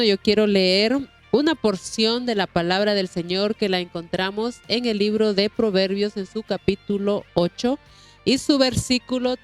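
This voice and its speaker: A woman hosting a Christian programme, speaking in a courteous, devout, repetitive way. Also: mid-range voice. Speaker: host of a Christian testimony programme. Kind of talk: warm religious interview talk.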